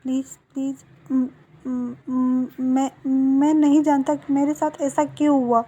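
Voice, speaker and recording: A woman's voice: sits high, flat delivery, unhurried, dark tone. A woman voicing a clingy young man who earnestly apologizes and pleads with his partner, in a retold fan-fiction story. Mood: pleading.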